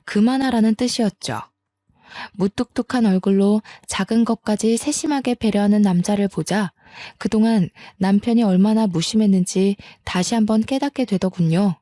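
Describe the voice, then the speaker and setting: A woman narrating a first-person story in a calm, measured way. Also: medium pitch, no room sound.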